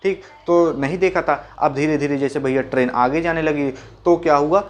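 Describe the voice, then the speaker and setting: A man talks through a school chapter like a friendly tutor. His voice sits a little high for a man, and he keeps stopping to quiz himself and answer, calling his listeners brother along the way. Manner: chatty, repeats key points as quick questions and answers; folksy, calls listeners brother and mimics sounds. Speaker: teacher. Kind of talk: casual Hindi lesson explaining a chapter.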